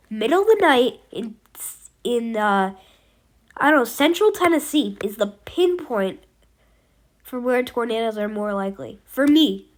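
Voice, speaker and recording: Suffering from a cold, a woman with a fairly high voice gives a casual storm update as an amateur weather forecaster. She rambles and hesitates, using many fillers.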